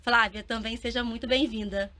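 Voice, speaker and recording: Female talk show host, Brazilian accent, slightly high and bright delivery. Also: steady tone, normal speed. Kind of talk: interview, introducing guests.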